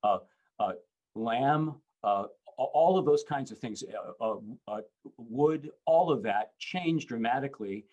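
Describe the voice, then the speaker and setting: Middle-aged male bishop, mid-pitched, hesitant speaker with many restarts. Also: a little mellow, muffled recording. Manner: halting, many fillers and restarts. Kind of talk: panel talk.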